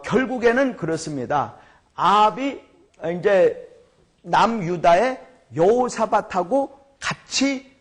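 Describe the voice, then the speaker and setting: A man teaching a Bible lecture in an animated way, often asking his listeners for agreement and acting out the shouts he quotes. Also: high voice, breathy edge.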